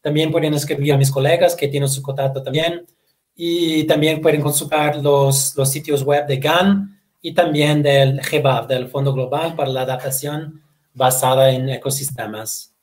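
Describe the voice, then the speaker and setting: A man's voice: on the high side, steady tone, moderate pace, a little mellow. A man in his thirties whose first language is Portuguese, answering webinar questions on a video call, hesitant, repeating words and ending phrases with tag questions. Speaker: guest presenter. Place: home room, indoors.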